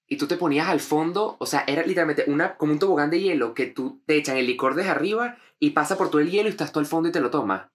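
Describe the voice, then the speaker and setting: A man's voice: fairly high pitch, quick pace, few pauses, fairly bright tone. A young Venezuelan man co-hosting a podcast, reacting expressively with slang in casual chat. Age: young adult. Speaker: podcast co-host.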